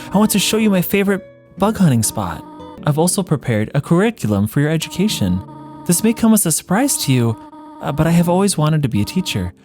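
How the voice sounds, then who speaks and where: A man voicing a gentle, doting motherly woman monster from a video game, with a hesitant, fussing, tender manner. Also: a little high, pitched above the performer's own voice. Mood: warm, eager. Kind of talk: video game character read-along.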